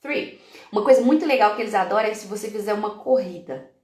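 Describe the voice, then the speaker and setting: A woman's voice: mid-range voice, very fast, darkish tone, reverberant. A woman teacher from Brazil giving a live-stream talk to other teachers, explaining classroom activities step by step and dropping in English example words.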